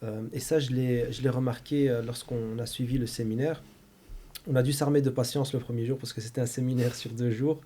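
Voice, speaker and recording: A man's voice: medium pitch, fairly even intonation, fairly quick, mellow. A man hosting a podcast, asking polite questions with many filler sounds. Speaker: podcast host. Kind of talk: interview questions.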